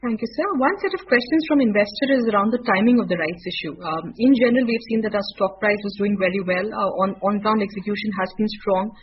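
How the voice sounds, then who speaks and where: A woman's voice: medium pitch, fast talker, hardly any pauses. A woman reads out investor questions on a conference call in a polite, businesslike way. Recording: muffled speakerphone conference line, background noise.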